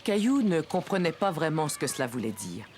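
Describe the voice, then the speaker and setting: A woman's voice: deep voice, a little fast, slight background noise. A woman playing the kindly narrator of a children's cartoon, telling the story expressively in scripted French. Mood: storytelling. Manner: expressive, clearly told storytelling.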